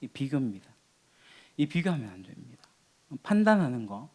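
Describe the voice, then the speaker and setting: With a somewhat mellow mid-range voice that swings widely in pitch, a man preaches as pastor at a normal speed. His teaching style is conversational, full of rhetorical questions, and he performs quoted bits of ordinary arguments.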